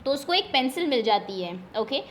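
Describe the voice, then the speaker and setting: Brief: female primary teacher, high voice, patient and methodical, reads lines slowly, then explains. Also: very animated, slight background noise. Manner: patient, step-by-step, addresses young pupils directly. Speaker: school teacher. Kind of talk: classroom lesson explanation.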